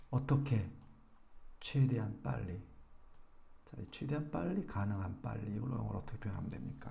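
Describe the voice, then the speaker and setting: A man teaching English grammar and pronunciation, asking questions and answering them himself, then slowly repeating example sentences. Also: medium pitch, creaky, mellow. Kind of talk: explanatory grammar lesson.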